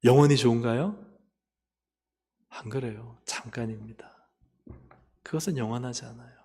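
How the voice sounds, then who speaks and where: A man preaching a sermon as pastor, impassioned, swinging from loud high cries down to near whispers. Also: normal speed, vocal fry, breathy edge, big-room sound. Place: church sanctuary.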